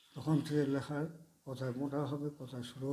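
Somewhat breathy, with a dark, mellow tone, a man speaks at a fairly high pitch in monotone, flat intonation. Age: 70s. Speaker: retired primary school headmaster. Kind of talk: interview. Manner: halting.

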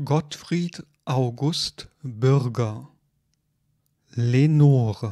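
On a very clean recording with a silent background, a man speaks very slowly at a medium pitch in a dark, mellow tone, with ordinary pitch variation and long, frequent pauses. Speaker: narrator. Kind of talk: poetry reading.

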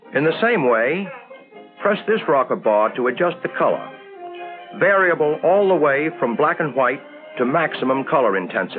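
Over clear background music, a man with a fairly high pitch for a man delivers an energetic tone at a moderate pace, his pitch swinging very widely while his loudness stays very even, with long, frequent pauses. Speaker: announcer. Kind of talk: TV commercial read. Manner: highly energetic. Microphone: old recording.

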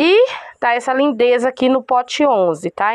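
A speaker with a Brazilian accent talks with ordinary pitch variation against a quiet background. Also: woman. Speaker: plant seller. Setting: home video recording, showing plants to the camera. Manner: chatty and a bit rambling, checks in with 'gente', 'tá?' after nearly every phrase. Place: garden. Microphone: phone near.

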